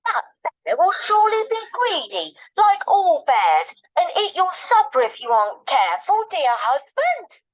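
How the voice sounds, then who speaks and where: Woman doing a shrill, scolding wife. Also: huge pitch swings, measured pace, full character voice. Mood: warning. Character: sharp-tongued, scornful woodman's wife. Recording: dull lo-fi recording.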